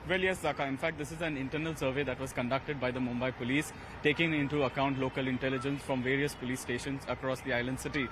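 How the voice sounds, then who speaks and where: A male field reporter delivers a live report at a quick pace in a mid-range voice. City street and traffic noise is clearly audible around him. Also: mid-range voice, fairly even intonation. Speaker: news reporter.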